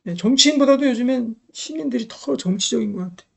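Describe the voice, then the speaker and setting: A woman's voice: a little high, animated, fast, creaky. A middle-aged woman preaching a sermon, emphatic, repeating key phrases and putting rhetorical questions to the congregation.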